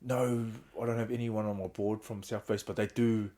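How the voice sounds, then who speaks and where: A man's voice: on the low side, level tone, normal speed, warm tone. A middle-aged man, a podcast guest candidly telling his own story, earnest and open about hard times. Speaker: guest, founder of a reintegration trust.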